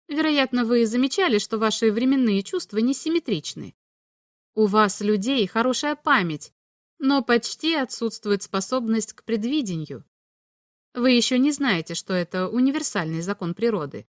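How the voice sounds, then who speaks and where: A patient male alien humanoid who knows the future lays out his reasoning in measured, even phrases, as a woman reading a storybook puts him on. The voice sits a touch higher than a plain reading voice. The recording is dry and close, with no room sound. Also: no echo, natural voice. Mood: calm explaining. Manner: patient, explanatory, slightly higher voice. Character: calm all-knowing male alien humanoid. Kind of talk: audiobook reading.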